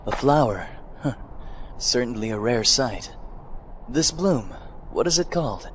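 A man's voice: mid-range voice, animated, measured pace, a little hiss or hum, lightly acted, poor audio. A man voicing an earnest, courteous young male warrior in a fan dub of a game scene. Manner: formal, courteous phrasing.

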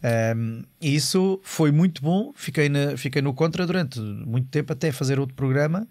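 Man, middle-aged, European Portuguese accent, animated storyteller, slightly high voice, dry close mic. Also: moderate pace, no echo. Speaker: guest, actor and voice artist. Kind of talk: casual podcast chat.

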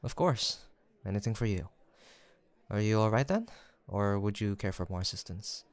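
A man playing a gentle, kindly young village apothecary in a soft roleplay audio drama, speaking politely and formally with attentive reassurance. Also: lowish voice, animated, normal speed. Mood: caring, courteous.

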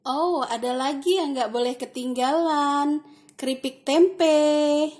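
A woman's voice: high voice, slow pace. A woman hosting a home cooking channel, talking through a recipe step by step in a chatty, friendly way. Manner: chatty, step-by-step, adds soft "ya" and "nah". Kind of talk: casual cooking tutorial voice-over.

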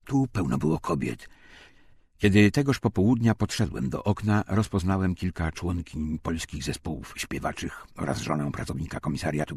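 Very deep, husky man narrating. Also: a little mellow. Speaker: audiobook narrator. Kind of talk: scripted narration of a wartime memoir.

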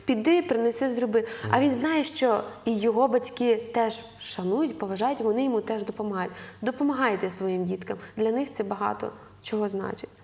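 A woman's voice: on the high side, a little fast, gravelly, few pauses, a little mellow. A young woman with a western Ukrainian accent, a guest on a Christian TV show, giving earnest parenting advice with frequent hesitations.

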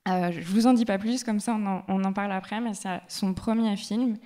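A woman's voice: medium pitch, steady tone, moderate pace, dark tone. A woman moderating a panel discussion, hesitant, with many filler sounds. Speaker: round-table moderator. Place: public library event room.

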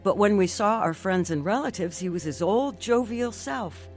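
An actress playing an earnest, emotional middle-aged Christian wife in a radio drama. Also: female voice, medium pitch, animated, normal speed, faint music behind, lightly acted. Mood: earnest, reflective. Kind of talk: radio drama narration and dialogue.

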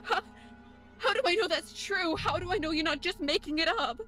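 A woman's voice: very high-pitched, a little fast, pushed and bright, soft background music. An actress playing a young woman podcast host, wry at first and then panicked and sobbing. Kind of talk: audio play acting.

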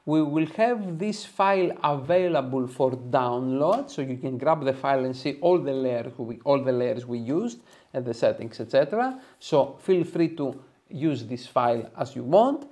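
A man's voice: medium pitch, expressive, moderate pace, darkish tone. A man in his thirties with a Greek accent, giving an enthusiastic step-by-step tutorial to viewers. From Greece. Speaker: photo editing tutorial host. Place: small room, home studio.

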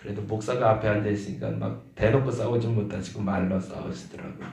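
A man's voice: fairly low pitch, fairly even intonation, fast, creaky, darkish tone, a little hiss or hum. A man preaching at a dawn prayer meeting as pastor. He tells a story in a conversational way and acts out the voices of the people in it. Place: church sanctuary. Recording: roomy church echo.

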